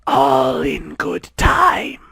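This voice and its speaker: A man voicing a vengeful mother king cobra in a storybook reading, with a hissing, drawn-out whisper. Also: extremely high pitch, pushed and bright, no room sound, clean studio sound, pitched above the performer's own voice, exaggerated voice. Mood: gloating. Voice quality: raspy, gravelly.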